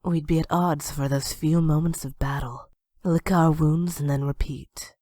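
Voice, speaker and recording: A woman as a cynical, low-voiced antiheroine. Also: steady tone, a little slow, warm tone, dry recording. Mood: wistful, jaded. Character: cynical, world-weary young female former villain turned hero. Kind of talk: amateur audio drama acting.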